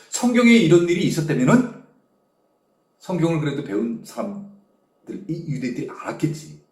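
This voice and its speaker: A male pastor giving an animated sermon, often prompting listeners with short questions. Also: high voice. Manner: animated storytelling, constant "eh?" prompts to the audience. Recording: echoey room.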